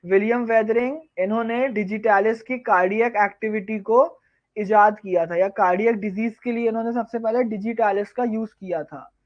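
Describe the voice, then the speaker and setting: A male tutor giving a live online revision lecture, firing off quiz questions and answering them himself, slowing down to dictate key terms. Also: high voice, steady tone, dull audio. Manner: quizzes viewers, then answers his own questions. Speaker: pharmacognosy tutor.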